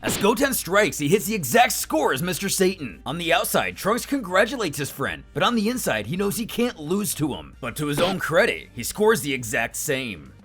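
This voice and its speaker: A man giving an animated, scripted narration of a story recap. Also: a little high, moderate pace, few pauses, husky, soft background music.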